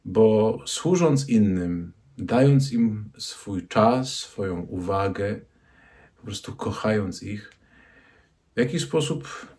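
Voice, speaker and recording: Slow-spoken priest giving a reflective homily. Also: male voice, fairly low pitch, lively intonation. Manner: slow, reflective, with soft hand gestures. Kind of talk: short homily to camera. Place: small room with a crucifix and bookshelves, indoors. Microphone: camera at close range.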